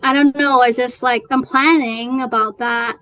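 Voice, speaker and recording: A woman's voice: a little high, steady tone, normal speed, bright, forceful tone, smooth, dry recording. A young woman from Thailand, a native Thai speaker, chatting in an interview and talking hesitantly with many fillers and restarts. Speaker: guest. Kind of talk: casual interview chat.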